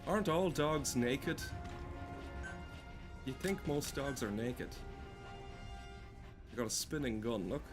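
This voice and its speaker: A man's voice: mid-range voice, animated, slow pace, pauses often, music in the background. A man casually streaming a game, rambling and swearing with dry, joking commentary.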